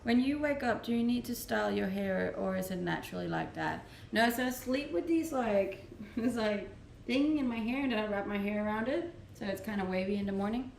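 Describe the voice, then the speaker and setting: A woman's voice: medium pitch, lively intonation, fairly quick, vocal fry, hardly any pauses, darkish tone, slight background noise. A woman with a Danish accent, chatting easily on a livestream from her rented home, reading out and answering viewer comments and laughing often. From Denmark. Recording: roomy echo.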